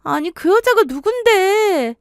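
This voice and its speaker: A woman's voice: very animated, normal speed, dry recording, studio quality. A woman voicing a young bride-to-be who keeps asking anxious, puzzled questions. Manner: questioning, higher and brighter than the narration.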